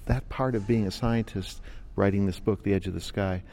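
A man hosting an interview podcast, asking questions in a measured, conversational way. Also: fairly low pitch, steady tone, warm tone. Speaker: radio podcast host. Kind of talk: interviewing a guest.

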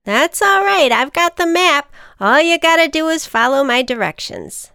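A woman's voice: sits high, sing-song, normal speed, pushed and bright, dry recording, clean studio sound, pitched above the performer's own voice, full character voice. A woman doing a cheeky, pushy little ant. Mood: needling. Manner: sassy, needling, persuasive.

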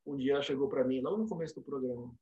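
A man's voice: medium pitch, rapid-fire, lo-fi sound. A Brazilian man, a dentistry professor, telling stories in a casual remote interview and acting out the lines he quotes. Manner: animated storyteller, acts out quotes. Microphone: remote call microphone.

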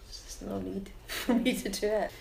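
A young woman from Sweden who grew up in Norway, a folk musician, calmly explaining her ideas in an interview. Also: medium pitch, moderate pace, vocal fry, roomy sound. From Sweden, raised in Norway. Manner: thoughtful, explaining. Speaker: folk musician, mandola player. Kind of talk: casual interview talk.

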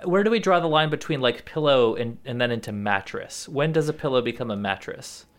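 A man in casual comedic chat, questioning the others in a skeptical, deliberate way. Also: mid-range voice, animated.

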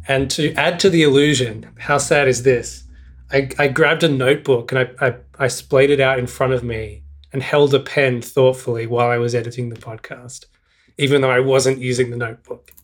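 A man's voice: medium pitch, steady tone, moderate pace. A young man co-hosting a casual podcast chat, wry and self-mocking, laughing often at his own stories. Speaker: podcast co-host.

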